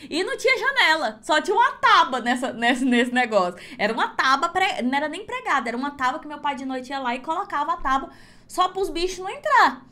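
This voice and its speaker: Give me a high-pitched, chatty woman telling a story to her class. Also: fast talker. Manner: animated, chatty, laughs often. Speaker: crochet teacher. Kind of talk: lively live class storytelling.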